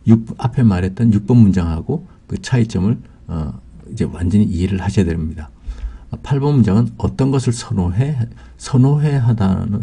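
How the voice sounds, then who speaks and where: A man's voice: lowish voice, warm tone, breathy edge. A man teaching English grammar, explaining example sentences step by step with frequent "ah" fillers.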